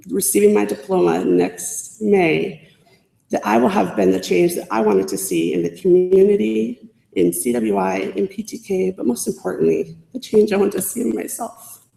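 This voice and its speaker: A woman student leader giving a heartfelt speech to college faculty, halting now and then with fillers and restarts, into a podium microphone in a large civic hall. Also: mid-range voice, animated, vocal fry, dark tone. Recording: echoey hall with long reverb.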